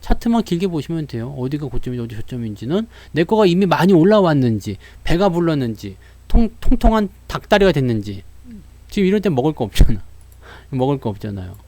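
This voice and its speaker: Brief: lively male market host, voice leaps around, dry close sound, talks to viewers and plays out their worries. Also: a little high, a little fast, no room sound. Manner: lively, acts out investors' worries and answers them; addresses viewers directly with frequent fillers. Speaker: stock market broadcaster. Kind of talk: live stock market lesson.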